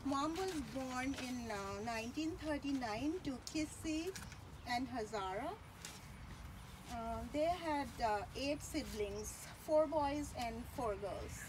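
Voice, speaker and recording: A high-pitched woman's voice gives a eulogy over clearly audible background noise. Her delivery is faltering and tender, moving in short, careful phrases. She speaks with reverence, as a daughter remembering a parent. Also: slow. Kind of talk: personal eulogy speech.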